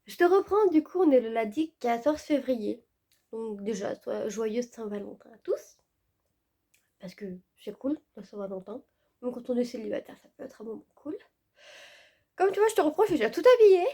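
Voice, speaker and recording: A woman's voice: a little high, animated, moderate pace, dark tone. A woman in her twenties chatting casually to her viewers, her voice stuffy and worn from a head cold, rambling with lots of fillers. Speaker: vlogger.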